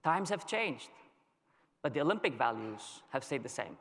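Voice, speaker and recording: A man's voice: medium pitch, big pitch swings, a bit bright, a little hiss or hum. Man giving a keynote in a reverberant hall. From Lebanon. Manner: storytelling, measured with dramatic pauses. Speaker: keynote speaker. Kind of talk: conference keynote speech. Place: large conference hall. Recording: long reverb of a large hall.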